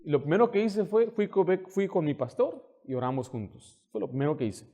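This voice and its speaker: A man preaching a sermon as pastor in a church, telling personal stories with lively, animated delivery. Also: a little high, fairly quick.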